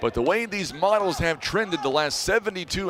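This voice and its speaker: The speaker's pitch swings very widely against noticeable background noise. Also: man. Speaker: radio play-by-play announcer. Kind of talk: live sports commentary. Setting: arena broadcast position at a basketball game.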